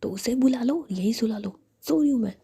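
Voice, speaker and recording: A woman's voice: a little high, expressive, a little fast, gravelly, dark tone, husky, exaggerated voice. A woman voicing an irritable, sleepy young woman, whispering her curt, annoyed lines.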